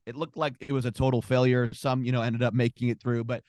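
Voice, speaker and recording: A man's voice: mid-range voice, level tone, quick pace, a little mellow, no room sound. A man hosting a faith-based podcast, asking long rambling questions full of fillers. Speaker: podcast host. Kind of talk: casual interview.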